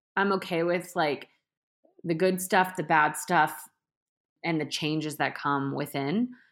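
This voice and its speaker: In a very clean recording with a silent background, a woman with a very deep, low pitch and ordinary pitch variation speaks at a fairly slow pace, taking long, frequent pauses. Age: 30s. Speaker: author and public speaker. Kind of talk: casual interview.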